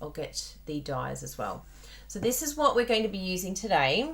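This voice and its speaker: A woman with an Australian accent speaks in an enthusiastic tone. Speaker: craft demonstrator. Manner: chatty, enthusiastic.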